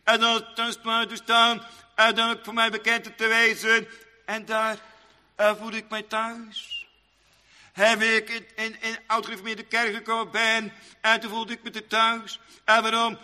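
A man preaching a sermon in old-fashioned churchly phrasing, rambling, repeating himself and pausing with many fillers. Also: high-pitched, sharp tone, big-room sound.

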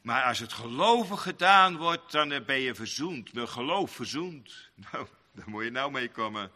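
A man preaching a sermon, swinging between loud, sung-out passages and quiet, low asides. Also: expressive, normal speed. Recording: long church reverb.

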